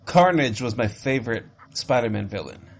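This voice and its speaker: A man hosting a podcast, chatting casually and teasing his co-host in a jokey, animated way. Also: medium pitch, moderate pace, slightly rough. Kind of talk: casual chat.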